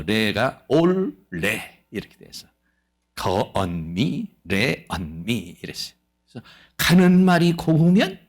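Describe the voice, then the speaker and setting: A man preaching a sermon as pastor of a church, lively and playful, acting out quoted voices. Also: fairly low pitch. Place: church sanctuary.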